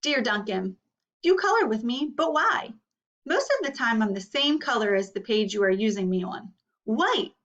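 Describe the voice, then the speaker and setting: Woman reading as a forlorn storybook white crayon, neglected, plaintive, high lively pitch, dull distant sound. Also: moderate pace. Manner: plaintive, emphatic.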